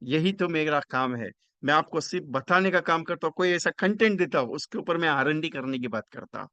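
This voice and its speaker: A man's voice: on the high side, animated, fairly quick, pushed and bright, no room sound, highs cut off. A man running an online training session for insurance agents, working through figures step by step and repeating phrases for emphasis. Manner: mixes English into explanation, repeats phrases for emphasis; works through numbers step by step, asking the audience questions.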